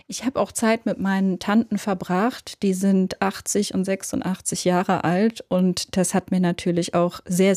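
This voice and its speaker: A woman's voice: mid-range voice, darkish tone, no echo, clean studio sound. A woman in her late thirties from Switzerland, a novelist answering interview questions thoughtfully, often affirming with small murmurs. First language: Swiss German. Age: 30s. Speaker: novelist guest. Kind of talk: radio interview.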